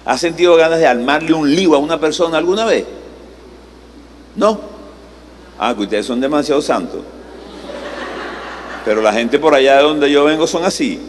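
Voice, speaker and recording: A man's voice: fairly high pitch, animated, normal speed, long pauses. A male pastor preaching a sermon in a conversational way, posing rhetorical questions to the congregation. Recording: live sermon in a reverberant hall, faint noise.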